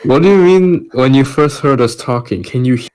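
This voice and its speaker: A man's voice: mid-range voice, normal speed, a little mellow, smooth, poor audio. Sarcastic man in casual podcast banter. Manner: sarcastic, crude joking. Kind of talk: casual chat.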